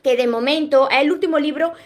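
Woman, Andalusian accent, high voice, earnest motivational talk, encouraging tone. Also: fairly quick. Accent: Andalusian Spanish. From Córdoba, Andalusia, Spain. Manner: earnest, encouraging, addresses viewers directly. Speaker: motivational content creator and author. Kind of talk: motivational live-stream talk.

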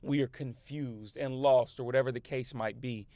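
Man, African American accent, podcast host, mid-pitched voice, animated and slangy motivational talk, close dry sound. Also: normal speed, no echo. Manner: animated, slangy, code-switching.

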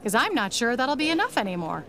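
A woman's voice: on the high side, sing-song, fast, heavy background noise. A woman playing a blunt, skeptical confidante of a vigilante in a pulp radio drama, frank and sardonic.

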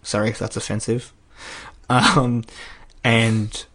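A man's voice: mid-range voice, takes it slowly, a bit bright. Rambling, self-deprecating young man. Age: young adult. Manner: rambling, self-deprecating, laughing often, swears casually. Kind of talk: casual personal chat.

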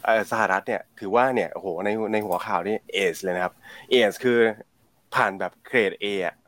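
A man's voice: on the low side, moderate pace, fairly bright tone, no echo. A man co-hosting a casual market talk, explaining through rhetorical questions. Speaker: co-host market commentator.

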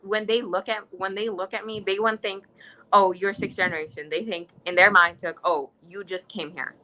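A woman's voice: medium pitch, fairly even intonation, moderate pace, sharp tone, rough recording. A young woman from the United States speaking in an interview, earnest and impassioned, often restarting her sentences. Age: young adult. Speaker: interviewee, student. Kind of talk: conversational interview.

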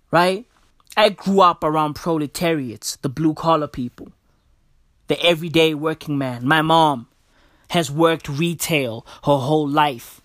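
On his casual solo podcast, a young South African host talks in slang and calls the listener "bro" and "bruv." His slightly high, slightly bright voice is captured on a podcast mic at studio quality, with no echo.

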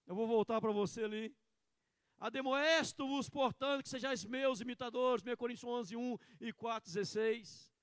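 Male pastor, sermon delivery, very high pitch, dry recording, big shifts between hushed and emphatic. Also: no echo. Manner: preaching, swinging from quiet low asides to loud slow emphatic lines.

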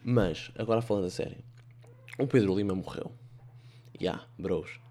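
A young man with a European Portuguese accent rambles through funny stories in a solo podcast. His voice sits on the low side, and his sarcastic asides keep tumbling into one another. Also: moderate pace, mellow. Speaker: podcast host. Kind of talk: comic storytelling monologue.

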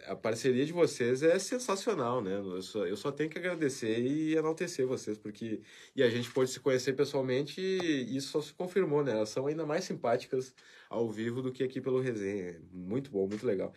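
A male host talks through viewer comments on a live stream. His voice sits at an ordinary middle pitch and has a soft, emotional tone, and he keeps dropping in little tag questions. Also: animated, brisk. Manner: emotional, warm farewell talk with frequent "né?".

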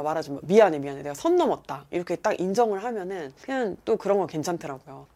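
A woman in her thirties hosting a casual podcast chat, acting out quoted lines with big jumps in her voice and laughing often. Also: fairly low pitch. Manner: frequent laughter. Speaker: podcast host.

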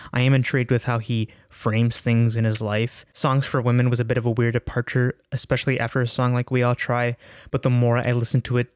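A man giving a spoken album review in an earnest, thoughtful way, with a few restarts and drawn-out words. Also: medium pitch, dry recording, studio quality. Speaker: music reviewer.

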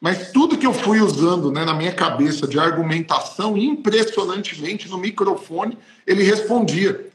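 A man's voice: high voice, expressive, moderate pace, few pauses. A man, a pastor, telling a personal testimony in an emotional, emphatic way. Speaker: pastor and podcast host. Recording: roomy echo.

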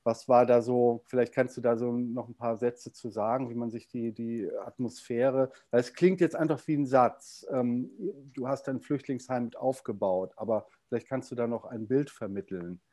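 Male interviewer, halting and filler-heavy, mellow tone, dry close sound. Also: medium pitch, fairly even intonation, no echo. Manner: hesitant, many fillers and restarts. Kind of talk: casual interview.

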